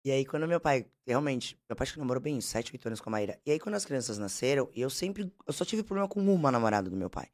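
A woman with a Brazilian Portuguese accent, telling blunt, animated, slangy stories as a podcast guest. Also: rumbling low, fast, few pauses. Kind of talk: casual storytelling.

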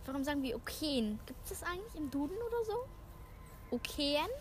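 A woman's voice: sits high, very animated, moderate pace, rough recording. A young woman in casual, playful chat with a friend during a game, talking in a giggly, chatty way. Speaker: co-host of a casual recording. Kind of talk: casual chat while playing a drawing game. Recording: home recording with clear background noise.

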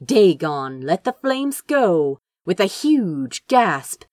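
A woman's voice: lowish voice, very animated, slow, darkish tone, no echo, clean studio sound. A woman reading a fantasy story aloud as an audiobook narrator, in a dramatic storytelling style. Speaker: fan fiction audiobook narrator.

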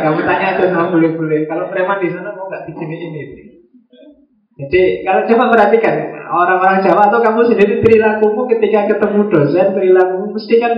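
A man giving a relaxed, joking philosophy lecture to a class. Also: sits high. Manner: joking, conversational, acts out little quoted exchanges. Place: classroom with students. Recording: roomy, dull lo-fi classroom recording.

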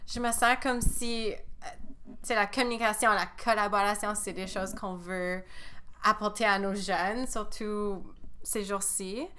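A woman's voice: mid-range voice, fairly even intonation, measured pace, fairly bright tone, slight background noise. A woman who hosts a podcast and works as an educator, asking reflective questions and encouraging her guest. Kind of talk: podcast interview.

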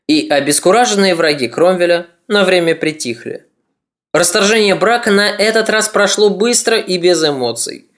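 A podcast narrator reading scripted history in a measured, dramatic storytelling manner. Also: medium pitch.

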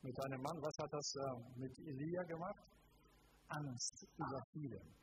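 A man's voice: mid-range voice, moderate pace, slight background noise, low-quality recording. A man preaching a live sermon to a congregation, speaking emphatically and asking them direct questions. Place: church service before a congregation.

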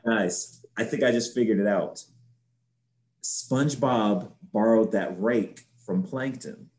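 A man's voice: fairly low pitch, slow pace, a little mellow. A man co-hosting a casual podcast, playful and teasing. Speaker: podcast co-host. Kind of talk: casual chat. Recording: roomy echoey sound.

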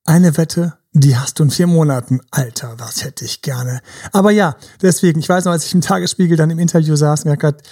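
Gravelly, husky man musing aloud. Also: a little high, quick pace, hardly any pauses, mellow. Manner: acts out imagined advice to his younger self, sometimes dropping to a whisper; mixes English words into his speech. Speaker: dating coach. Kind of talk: casual reflective podcast talk.

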